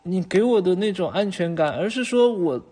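A man's voice: high voice, expressive, moderate pace, warm tone, breathy edge, faint music behind. A man playing a remorseful young boyfriend who soothes his crying girlfriend, stammering and apologizing again and again in a boyfriend roleplay audio drama. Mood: tender, soft.

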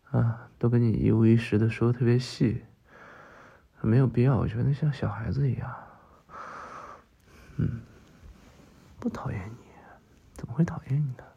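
A man in a whispered role-play, talking softly and coaxingly to the listener, with many drawn-out soothing fillers. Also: mid-range voice, gravelly, breathy edge, lo-fi sound. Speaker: ASMR role-play performer.

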